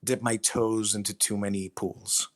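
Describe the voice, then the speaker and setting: A man being interviewed as a writer, explaining himself casually in a thoughtful, somewhat halting way. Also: fairly low pitch, flat delivery.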